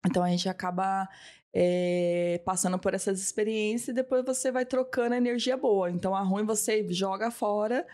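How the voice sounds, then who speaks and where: A woman's voice: medium pitch, fairly even intonation, normal speed, a little mellow. A woman in her thirties, a massage therapist, telling her story in a casual interview and acting out what people said to her. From Brazil. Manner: storytelling, often acting out what she and others said.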